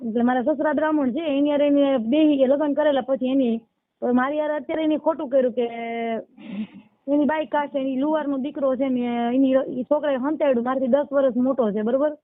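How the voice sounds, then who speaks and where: A woman's voice: sits high, fairly even intonation, fast talker. A woman of twenty-nine with a Saurashtra Gujarati accent, calling by phone to explain her situation and ask for help. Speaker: caller seeking help. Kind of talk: pleading personal account on a phone call. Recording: dull lo-fi phone call recording.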